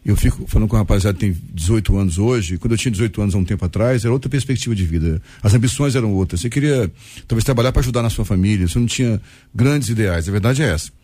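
Man in his fifties, mellow dark tone, warm and personal, recorded dry. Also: on the low side, racing, slightly rough, no room sound. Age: 50s. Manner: warm, personal, quotes books. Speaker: panel guest. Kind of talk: Christian radio discussion panel.

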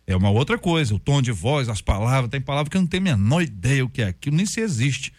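A man, a pastor, talking about prayer in a relaxed, conversational way and acting out stories and prayers. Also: medium pitch, quick pace, no room sound. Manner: storytelling, acts out prayers and quotes. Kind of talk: conversational faith talk.

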